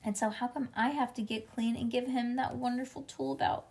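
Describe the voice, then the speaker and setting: Storybook little girl, performed by a woman: stubborn, whiny, excitable, indignant, with childish grammar. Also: on the high side, moderate pace, pitched above the performer's own voice, close to an everyday voice.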